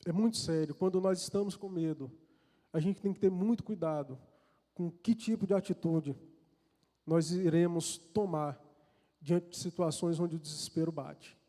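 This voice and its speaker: A warm, somewhat high voice moves at a moderate pace as a Brazilian Portuguese-accented man preaches earnestly about his own life. His confessional sermon, full of repeats and restarts, echoes with the long reverb of a large church hall.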